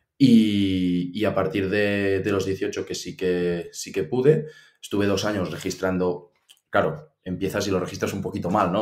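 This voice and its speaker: A man with a Barcelona accent at a moderate pace. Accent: Barcelona accent noticeable. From Barcelona, Spain. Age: 20s. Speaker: sports betting tipster. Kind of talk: interview.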